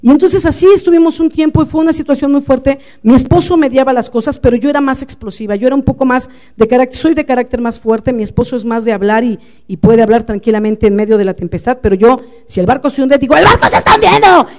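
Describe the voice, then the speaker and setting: Warm high-voiced Mexican woman storyteller. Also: fast, hardly any pauses. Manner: lively, confiding, playful asides to the audience. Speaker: speaker addressing women. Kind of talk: storytelling talk.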